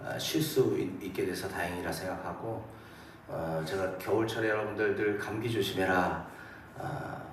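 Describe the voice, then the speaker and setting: A male pastor, hoarse from a cold, preaches calmly at a steady pitch. The echoey chapel makes him sound distant from the microphone. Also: a little hiss or hum. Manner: calm, measured preaching. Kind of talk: sermon. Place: military chapel. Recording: echoey hall, mic heard from afar.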